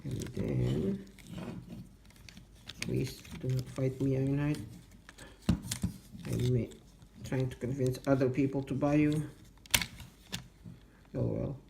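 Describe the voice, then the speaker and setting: Male toy reviewer, slow and gravelly, step-by-step demo; echoey, noisy room. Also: medium pitch, fairly even intonation. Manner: slow, step-by-step instructional talk, muttering to himself. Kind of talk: hands-on toy transformation demo. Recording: echoey room with background noise.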